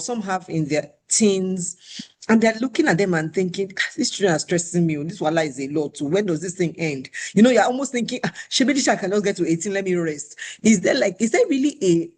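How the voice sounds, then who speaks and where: A woman's voice: on the low side, darkish tone. A woman who hosts a live interview, affirming her guest and asking probing questions. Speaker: host.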